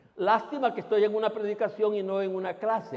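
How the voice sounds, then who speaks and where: There is noticeable background noise while this man talks. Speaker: pastor. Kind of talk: sermon.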